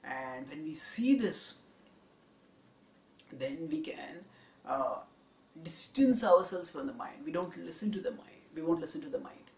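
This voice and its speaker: A man giving a spiritual discourse on scripture, in a measured, explanatory teaching tone. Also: a little high, animated. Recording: roomy echo.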